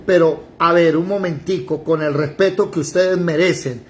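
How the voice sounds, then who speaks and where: A man with a high, lively voice leads an informal Bible class, peppering his students with rhetorical questions. He slips into quick mock exchanges to make his points. A faint background hum sits under his voice. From Colombia. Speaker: Bible teacher.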